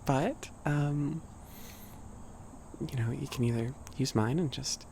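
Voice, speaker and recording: A young man voicing a sweet, shy giant cat boy in a soft, near-whispered ASMR roleplay, chatting gently and hesitantly to a small friend. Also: mid-range voice, slow, vocal fry, a little hiss or hum. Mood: shy, helpful. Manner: gentle, hesitant, rambling, apologetic. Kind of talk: ASMR roleplay, casual chat to listener.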